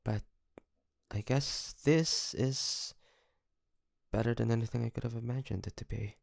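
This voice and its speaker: A man playing an earnest young demon hunter in a romantic audio drama, speaking very slowly with a gravelly fry. He is soft-spoken and hesitant, tender toward the one he loves. The sound is dry and close. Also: mid-range voice, steady tone, no echo. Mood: happy, tender.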